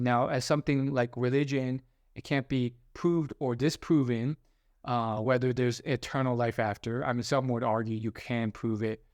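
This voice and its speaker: A man's voice: medium pitch, a little mellow. A young man with a middle-range voice gives casual motivational advice and often stops to restart his sentences. The sound is dry and close, with no room echo. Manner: rambling, many fillers and restarts. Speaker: self-help video host.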